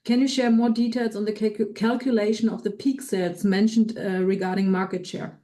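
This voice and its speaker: A woman with a mid-pitched, very mellow voice moderates an earnings call. She reads out questions for the company's speakers in a businesslike format. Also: flat delivery, brisk.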